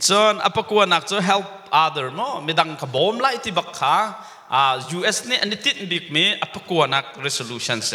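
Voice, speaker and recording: High, lively preaching man in a hall. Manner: mixes English words into his preaching. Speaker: pastor. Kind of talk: sermon. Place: church sanctuary.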